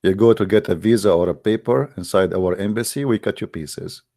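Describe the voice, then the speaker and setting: Deep-voiced, gravelly Arab-accented man hosting. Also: brisk, dark tone. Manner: joking, sarcastic, teasing. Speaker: host of a live debate broadcast. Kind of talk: casual rambling live-stream talk.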